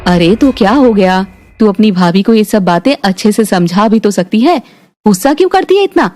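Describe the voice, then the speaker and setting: A woman voicing a calm, kindly mother-in-law in a cartoon story. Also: mid-range voice, normal speed, pitched below the performer's own voice, close to an everyday voice. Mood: soothing.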